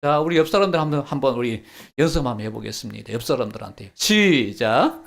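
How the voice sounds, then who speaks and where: A man's voice: medium pitch, vocal fry. A man preaching a sermon as pastor, acting out quoted lines and leading the congregation through practice. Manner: lively, acts out quoted dialogue, leads the congregation in practice.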